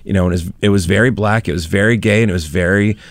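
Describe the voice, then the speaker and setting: A male radio host tells a long story in a rambling, chatty way, full of restarts and fillers. His voice is fairly low and recorded dry and close. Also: fast talker, dry recording. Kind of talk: casual radio chat.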